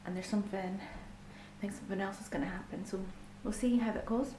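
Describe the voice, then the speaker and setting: A young Scottish woman, a book vlogger, chats casually at home in a reading vlog, using plenty of ums and sometimes dropping almost to a whisper. Her medium-pitched voice is brisk with fairly even intonation. The room is echoey, with a faint background hiss.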